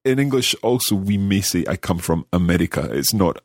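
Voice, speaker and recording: A man hosting a podcast language lesson, speaking carefully and repeating phrases slowly for learners. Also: low-pitched, animated, a little mellow, no echo, studio quality. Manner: careful, enunciating learner pronunciation. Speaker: language course host.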